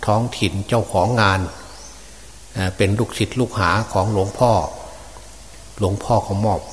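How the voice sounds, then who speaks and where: A man preaching as a monk, folksy and unhurried, with many fillers. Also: lowish voice, fairly even intonation. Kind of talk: Dhamma sermon. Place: open temple hall. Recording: distant reverberant hall with faint noise.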